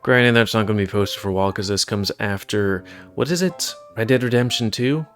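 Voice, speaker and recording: A man's voice: lowish voice, fairly quick, fairly bright tone, soft background music. A man giving casual, rambling commentary over a video game, with chatty asides.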